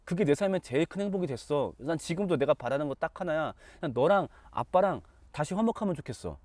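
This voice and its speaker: A man voicing a gentle, self-sacrificing older brother who speaks softly and earnestly. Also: a little high, animated, quick pace, dry recording, pitched above the performer's own voice. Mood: tender. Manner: soft, earnest, tender.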